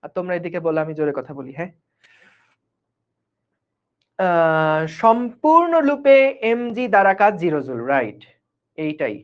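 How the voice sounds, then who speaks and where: A man's voice: on the high side, very animated, moderate pace, long pauses, smooth. A man tutors physics in a live online class. He talks in a loose, chatty way and keeps checking that his students are following. The stream audio sounds dull and lo-fi. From Bangladesh.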